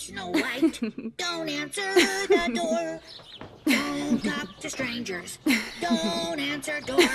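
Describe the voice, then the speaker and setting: Lady doing a tiny protective fairy tale dwarf, creaky, really slow pleading, loud music behind. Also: high-pitched, voice pushed up, heavily acted. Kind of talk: children's storybook acting.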